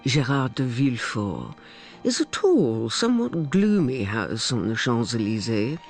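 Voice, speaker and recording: A narrator reading a radio drama in a slow, expressive manner. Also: medium pitch, faint music behind. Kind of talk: scripted narration.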